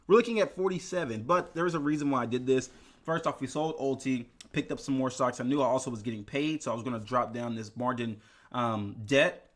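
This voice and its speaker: A young man talks casually to his viewers about his investment account, sleepy and rambling, full of fillers and restarts. His voice sits at a middle pitch, neither high nor low. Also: brisk. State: tired from little sleep, yawning. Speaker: finance YouTuber.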